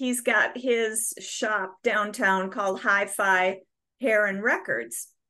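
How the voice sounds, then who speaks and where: Against a quiet background, a woman with an Upper Midwest accent speaks at a very slow pace with ordinary pitch variation. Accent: Upper Midwest (Minnesota). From Minnesota, Bayport near Stillwater. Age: 60s. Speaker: punk rock singer. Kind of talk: casual interview.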